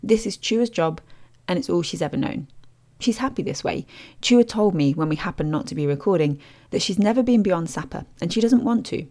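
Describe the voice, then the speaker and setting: A woman host reading scripted documentary narration in a measured, descriptive storytelling manner as a studio voice-over. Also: fairly low pitch, lively intonation, warm tone.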